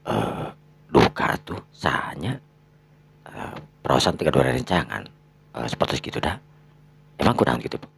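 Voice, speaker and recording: A man voicing a meek, poor young husband in a story, hesitant, soft-spoken and deferential, with a Sundanese accent. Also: extremely low pitch, big pitch swings, normal speed, gravelly, pauses often, slightly rough, voice pushed down, heavily acted. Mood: puzzled, deferential.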